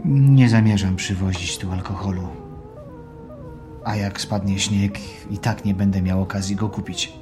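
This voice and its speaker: A man's voice: sits low, fairly even intonation, measured pace, warm tone, faint music behind. An actor playing a proud, guarded man applying for a job in an audio drama, polite and controlled. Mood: earnest, defensive. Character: former teacher seeking a caretaker job, man, guarded, proud.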